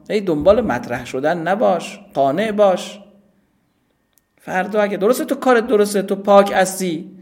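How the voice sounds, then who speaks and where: A man's voice: sits high, darkish tone. A man giving a lecture, explaining classical literature in everyday speech. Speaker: teacher of classical Persian literature.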